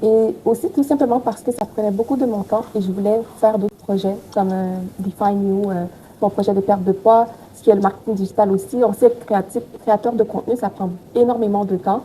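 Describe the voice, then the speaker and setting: A woman who grew up in Haiti answers podcast questions in a mellow, measured voice and pauses often to find her words. A faint background hiss runs under the recording. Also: medium pitch, poor audio. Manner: calm, measured, with hesitations. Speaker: podcast guest, entrepreneur. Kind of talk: casual interview answers.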